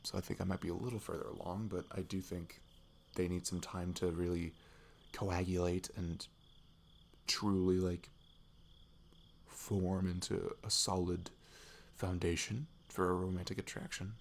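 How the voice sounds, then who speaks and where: A man playing a sweet, nervous young best friend in an intimate ASMR roleplay, speaking haltingly with a husky, breathy voice that drops toward whispers. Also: sits low, flat delivery, a little hiss or hum. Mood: earnest, relieved. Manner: hesitant, halting, slipping into whispers.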